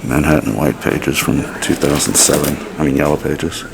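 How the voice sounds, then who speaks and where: A man's voice: rumbling low, steady tone, moderate pace, gravelly, very noisy. An American man rambling casually in a wry, musing way as he narrates a vlog while exploring. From United States. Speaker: vlogger.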